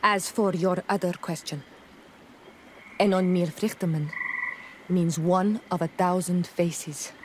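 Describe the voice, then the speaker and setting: An actress playing an earnest, proud young tribal guide in a video game, explaining things solemnly. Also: female voice, on the low side, fairly even intonation, slow, pauses often, noisy background. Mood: solemn, guarded.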